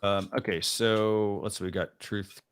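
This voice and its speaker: A man's voice: fairly low pitch, steady tone, unhurried, smooth. A man co-hosting a live stream, chatting casually in a rambling way with lots of restarts. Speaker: co-host of a live stream show.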